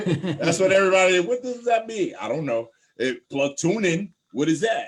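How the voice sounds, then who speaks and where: With a New York accent, a man talks at a moderate pace. His pitch is high, and his intonation is lively. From New York, Staten Island. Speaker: rapper. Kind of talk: casual chat. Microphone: mic sounds good.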